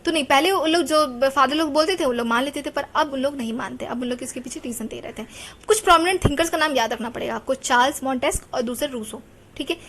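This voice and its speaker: A woman's voice: high-pitched, fast, a bit bright, slight background noise. A young woman teacher giving a casual lecture, chatty, mixing English terms into her talk and asking rhetorical questions.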